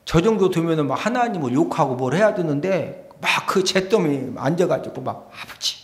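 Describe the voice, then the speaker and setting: A male pastor giving a lively sermon in a church, often prodding his congregation for a response. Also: a little high, normal speed. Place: church sanctuary. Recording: echoey church hall.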